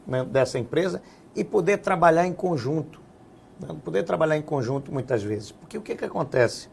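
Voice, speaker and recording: A man, a businessman and former politician, explaining policy in a measured political interview, often adding "né?". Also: fairly high pitch, expressive, vocal fry, darkish tone, slight background noise. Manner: measured, explanatory, frequent "né?" tags. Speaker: guest, health businessman and former legislative assembly president.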